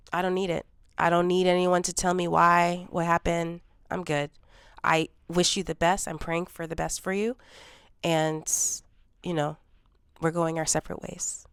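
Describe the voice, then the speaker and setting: Woman in her 40s, congested, candid low-energy vlog, lowish voice, smooth, dry close sound. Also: no echo. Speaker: vlogger. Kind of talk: reflective personal vlog.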